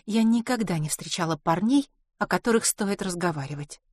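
A woman reading an audiobook and voicing a shy, wry eighteen-year-old girl who speaks hesitantly and teases gently. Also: medium pitch, animated, fairly quick, dry recording, studio quality, pitched above the performer's own voice, natural voice.

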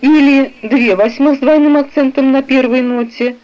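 A woman reading a music theory textbook aloud in a slow, measured way, describing the notation on the page. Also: high voice, steady tone. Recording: dull, lo-fi recording.

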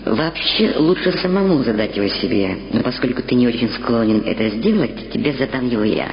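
A man voicing a self-assured, cryptic male insect mentor in a measured, knowing way for a radio reading, with reverb on the voice. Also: medium pitch, lively intonation, vocal fry, slight background noise. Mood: cryptic, calm. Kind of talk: dramatised literary reading for radio. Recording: dull radio recording, long echoing reverb.

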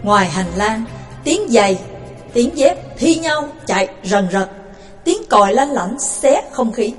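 Expressive woman storyteller, lightly raised pitch. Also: takes it slowly, faint music behind. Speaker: narrator. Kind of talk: dramatic audiobook narration.

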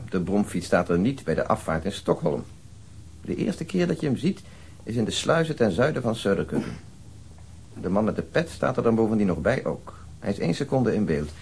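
An actor playing an observant, methodical detective who explains precisely, in a Dutch radio drama. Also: male voice, fairly low pitch, darkish tone, a little hiss or hum.

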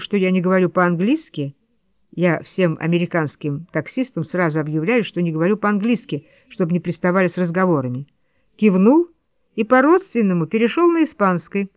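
A woman's voice: on the low side, dry recording. A woman narrating a first-person memoir as an audiobook, in a wry, lightly ironic storytelling manner. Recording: dull lo-fi dry studio read.

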